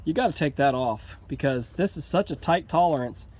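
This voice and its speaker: This casual how-to vlog finds a plainspoken, folksy man outdoors at a sawmill, a little winded as he walks through his upgrades and explains along the way. His voice sits on the high side, somewhat mellow, with lively intonation at a normal pace.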